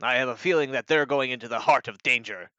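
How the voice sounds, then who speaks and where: Man doing a loud, barking knight commander. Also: medium pitch, fast, clear, resonant tone, no echo, muffled recording, lightly acted. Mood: commanding. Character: gruff older male knight commander, brisk and commanding.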